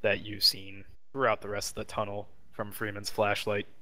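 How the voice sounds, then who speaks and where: Male game master, low-ish forceful voice, halting improvised scene description. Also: completely flat delivery. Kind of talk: improvised narration of a tabletop game.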